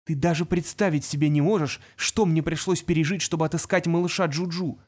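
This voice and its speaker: A woman reading the part of a cold, brilliant teenage boy in an audiobook, speaking in a calm, measured way. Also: low-pitched. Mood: tense.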